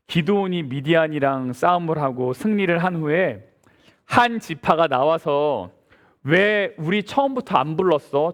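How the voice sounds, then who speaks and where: A man preaching a sermon as pastor, who often puts questions to the congregation. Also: a little high. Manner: lively, asks the congregation rhetorical questions. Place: church sanctuary.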